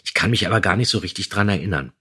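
A man co-hosting a podcast, chatting casually in a slightly husky voice. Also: sits low, animated, rapid-fire, bright, forceful tone, slight background noise. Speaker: podcast co-host. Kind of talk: casual chat.

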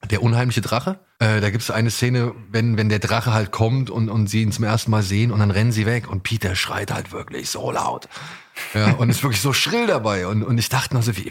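A man hosting a podcast in a casual, colloquial chat, sometimes acting out imagined quotes. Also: fairly low pitch. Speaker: podcast host.

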